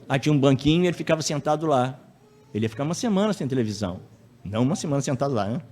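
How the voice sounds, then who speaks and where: At a spiritist center, a man gives a chatty public lecture, often ending sentences with a tag question and acting out anecdotes. His medium-pitched voice is a little mellow, with lively intonation and rapid-fire delivery.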